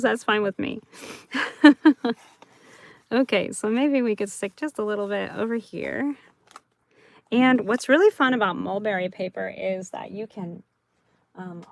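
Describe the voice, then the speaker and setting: A woman hosting a live craft chat, soft and chatty, who often laughs and talks about her dry mouth. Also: a little high, gravelly, dry recording. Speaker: craft livestream host.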